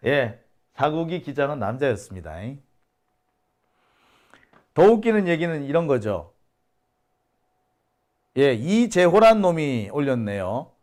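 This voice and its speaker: A man's voice: fairly high pitch, very animated, slow, long pauses, darkish tone. A man hosting a solo news commentary, indignant and scoffing, sighing and exclaiming as he reads out rumors. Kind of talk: solo talk-show commentary.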